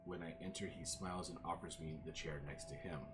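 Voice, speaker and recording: A man with a very deep, low voice plays through a story game on stream. He reads the dialogue aloud and breaks off for casual asides to his viewers, while game music plays clearly in the background. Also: steady tone, fairly quick. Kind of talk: let's play, reading game text aloud.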